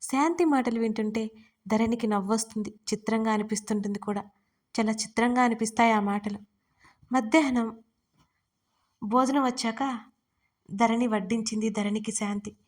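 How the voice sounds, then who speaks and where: A woman reading a romantic audio story in a steady storytelling way. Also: fairly high pitch, moderate pace, pauses often. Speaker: story narrator. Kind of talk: scripted audio story narration.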